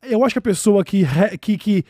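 A man's voice: sits high, animated, a little fast, warm tone, no echo, studio quality. A man with a Brazilian Portuguese accent hosting a casual comedic talk show, blunt, slangy and sarcastic. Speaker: podcast host.

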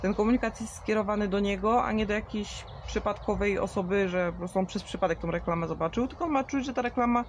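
A woman's voice: medium pitch, fast, few pauses, slight background noise. A woman in her thirties talking on a live stream, answering viewer questions with a chatty, explaining manner and many fillers. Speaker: marketing trainer for beauty salons. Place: outdoors in a garden.

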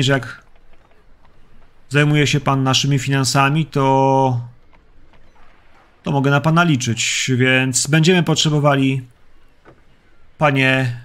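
A man's voice: a little high, a bit bright. Man playing a stern ship captain. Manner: stern, commanding. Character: gruff stern male ship captain, commanding.

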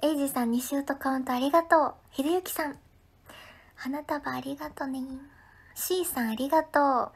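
A woman from Ehime, Japan, with a high voice and a local Ehime Japanese lilt, talks at normal speed on a casual livestream, reading comments from viewers. Chatty and friendly, she regularly slips into soft, breathy half-whispers.

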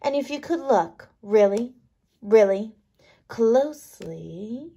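Slow, expressive woman reading to children. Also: fairly high pitch, vocal fry, breathy edge. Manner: expressive, playful, emphasising words. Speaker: kindergarten teacher reading aloud. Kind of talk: children's picture book read-aloud.

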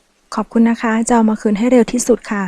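A woman's voice: on the high side, little pitch movement, warm tone, no echo, close to an everyday voice. A woman voicing a shy, polite young woman who speaks hesitantly and drags out her words. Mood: timid polite. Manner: hesitant, polite, drawn-out phrasing.

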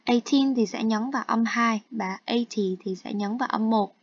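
A woman's voice: on the high side, moderate pace, dry recording. Woman teacher walking students through exercises. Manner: explains each task step by step, switching between Vietnamese and English terms. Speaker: English teacher. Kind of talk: online textbook lesson walkthrough. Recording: dull, dry lo-fi recording.

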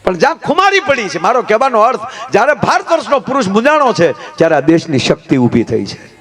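A man telling folk jokes on stage, acting out characters in changing voices and adding preachy asides. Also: fast talker. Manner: animated, swings pitch to act out quoted characters. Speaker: folk humorist. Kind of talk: live folk comedy storytelling.

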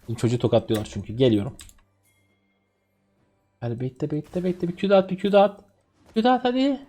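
A man in his twenties from Turkey, a streamer chatting excitedly to viewers while commentating his own gameplay. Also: medium pitch, fast talker, faint music behind. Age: 20s.

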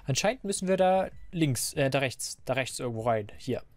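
A man doing casual, rambling commentary while playing a game, a little hoarse and stuffy, into a desk microphone. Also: mid-range voice, animated, a little fast, dry recording. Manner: chatty, rambling, self-mocking. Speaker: let's player.

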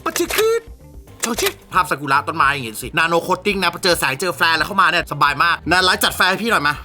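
A young man reviews a camera lens in a fast, chatty, excitable rush, swearing casually as he goes. His voice sits a little high for a man, and music plays clearly under him. He keeps it loose and informal throughout.

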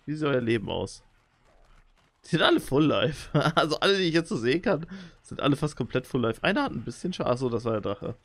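A young man doing live, excitable commentary on his own gameplay, talking straight to his viewers. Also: quick pace. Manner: excitable, talks to viewers, jumps into high squeals when excited. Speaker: let's play gamer.

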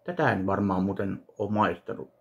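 A man in his thirties from Finland, casually narrating an unboxing of a fan package in his home kitchen, speaking slowly and haltingly to a webcam. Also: sits low, lo-fi sound. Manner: slow, halting, listing items one by one. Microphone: webcam at desk distance.

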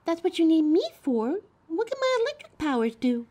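A woman's voice: extremely high pitch, sing-song, normal speed, mellow. A woman playing a flustered, defensive young thief with electric powers in an audio drama, chatty and indignant. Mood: scheming, defensive. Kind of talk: scripted audio drama, one side of a phone call. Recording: clear background noise, coffee house ambience.

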